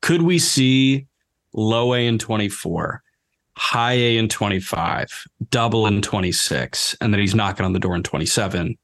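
A man co-hosting a podcast in casual chat, asking his partner quick questions. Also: on the low side, fairly bright tone. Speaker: podcast co-host, interviewer.

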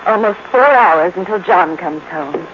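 Obsessive wife, deliberate repetitive commands, 1950s radio melodrama, dull sound, faint noise. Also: female voice, lowish voice, lively intonation. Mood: possessive, commanding. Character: possessive, unstable housewife commanding her robot. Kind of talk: 1950s radio drama acting. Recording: dull noisy old radio recording.

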